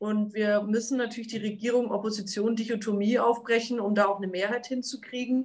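Fairly high in pitch, a woman talks at a fairly quick pace with hardly any pauses, in a monotone, flat intonation. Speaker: member of parliament, climate policy spokesperson. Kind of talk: political statement. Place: office. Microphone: webcam.

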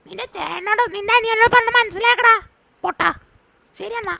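Someone uses a cartoonish character voice at an extremely high pitch and a moderate pace. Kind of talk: comic dubbing. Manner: grumbling, resigned.

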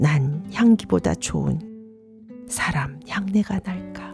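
A woman's calm tone at a very slow pace, with music in the background. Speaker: poetry reciter. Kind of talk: poetry reading. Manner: soft-spoken, calm.

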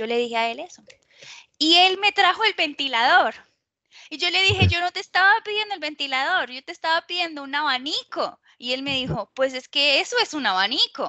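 A woman speaks at a moderate pace and high pitch with very wide pitch swings and big swings in loudness, the sound dry with no echo over a quiet background. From Colombia, Cúcuta; Colombia. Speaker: Spanish teacher. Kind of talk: online language lesson conversation. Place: home room. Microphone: headset.

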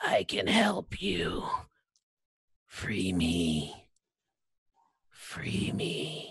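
In a put-on character voice, the speaker sounds raspy and low-pitched, talking at a very slow pace with long, frequent pauses. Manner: pleading.

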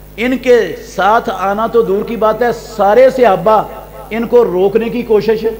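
Over light background noise, a man talks in a high pitch with fairly even intonation. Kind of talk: sermon. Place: home room.

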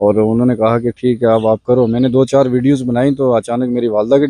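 Recorded dry and close with no echo, a man talks at a moderate pace and medium pitch in a dark, mellow tone. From Poonch district, Jammu and Kashmir. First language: Gojri (speaking Hindi). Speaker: comedian. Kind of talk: interview.

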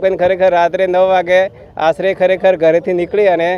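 A man's high-pitched voice in a flat monotone. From Gujarat, India (Banaskantha). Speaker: village head. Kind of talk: news interview statement.

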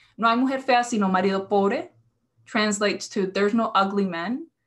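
Speaking with a Spanish accent, a woman uses a medium pitch and ordinary pitch variation. She keeps a moderate pace against a quiet background. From Colombia. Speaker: mental health counselor; presenter. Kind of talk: webinar presentation. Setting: video call. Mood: warm, moved in last clip. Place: home room. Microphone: webcam.

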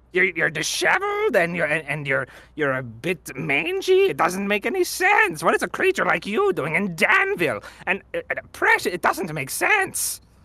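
Fairly slow pacing in a put-on character voice. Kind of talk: comic improv impression. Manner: condescending, theatrical.

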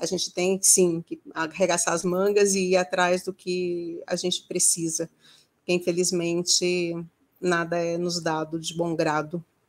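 A woman speaks at a fairly slow pace with fairly low pitch and monotone, flat intonation. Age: 40s. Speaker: audiovisual artist and cultural producer; interview guest. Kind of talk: interview. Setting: video call. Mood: engaged, smiling, earnest. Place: home room.

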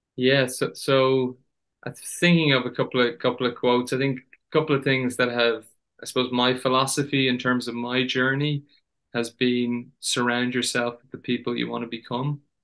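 Delivered with a Dublin accent, the speech has monotone, flat intonation and big swings in loudness. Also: man, medium pitch for a man, moderate pace, quiet background. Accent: Irish (Dublin). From Ireland, Dublin. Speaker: former pro tennis player, business founder; podcast guest. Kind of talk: interview conversation. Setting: remote call from Ireland. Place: home room. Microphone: video call.

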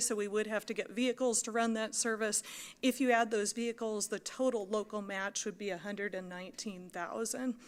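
A woman with a normal speaking voice talks at a fairly quick pace with hardly any pauses, fairly even intonation and a fairly high pitch. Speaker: transit planner presenting to city council. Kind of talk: presentation. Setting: council meeting.

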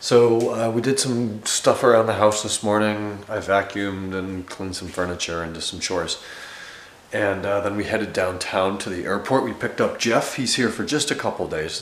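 A fairly low-pitched man's voice at a moderate pace, with audible room echo. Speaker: vlogger. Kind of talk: casual vlog chat. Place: garage. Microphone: phone near.

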